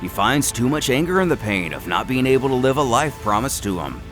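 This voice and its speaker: Male storyteller, mid-pitched and highly animated, dramatic scripted narration over background music. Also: fairly quick.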